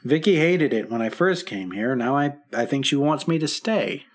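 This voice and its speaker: A man's voice: medium pitch, lively intonation, moderate pace, lightly acted. A man plays a husband recovering in a hospital bed in an old radio drama. He keeps a wry, joking tone. He stumbles over his words when things get serious. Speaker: hospital patient. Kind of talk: 1950s radio acting.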